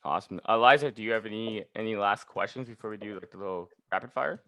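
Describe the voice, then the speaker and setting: A man with a Canadian accent and a fairly low voice. He talks informally, as a co-host chatting on a podcast. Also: fast, fairly bright tone. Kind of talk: casual chat.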